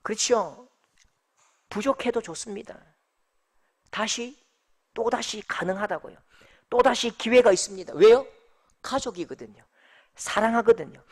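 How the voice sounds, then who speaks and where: Brief: male pastor, theatrical sermon, loud to hushed. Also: high-pitched, unhurried, pauses often. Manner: dramatic, swings from shouting to hushed, acts out scenes.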